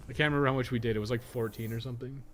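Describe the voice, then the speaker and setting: A man's voice: medium pitch, steady tone, racing, a bit bright. Man musing through gameplay, noisy background. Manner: musing, self-questioning, trailing asides. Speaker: podcast co-host and game guide writer. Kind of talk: casual gameplay commentary, thinking aloud.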